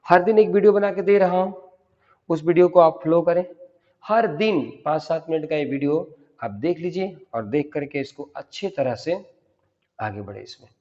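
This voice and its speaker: A man's voice: a little high, normal speed, darkish tone, in a large hall, muffled recording. A man teaching a spoken English lesson, explaining step by step and drilling phrases aloud.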